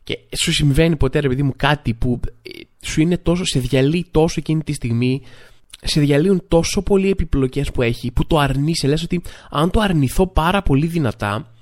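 A podcast host delivers a chatty monologue of comic stories, animated and full of filler phrases. He acts out other people's lines, jumping in pitch to mimic them.

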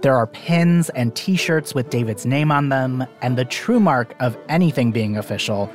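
A man's voice: mid-range voice, lively intonation, moderate pace, soft background music. A man hosting and reporting a podcast, narrating a documentary story in a conversational, lightly self-deprecating way.

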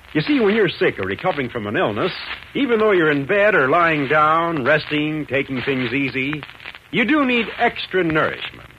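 An American man working as a 1940s radio announcer, delivering sponsor pitches and serial narration in an earnest, emphatic way. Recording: noisy, muffled 1940s radio recording.

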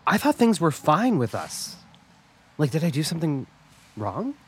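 An actor playing a hurt, sarcastic young gay customer-service rep with a halting, passive-aggressive way of talking in an audio comedy-drama. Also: male voice, fairly high pitch, huge pitch swings, a little hiss or hum. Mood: hurt, defensive.

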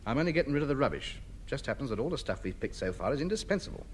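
Heard through a noisy vintage radio broadcast, this comedy lead from a 1950s sitcom voices a self-important, pompous middle-aged man who hoards junk. His mid-range delivery races with big pitch swings, close to an everyday voice, yet blustering and grandiloquent.

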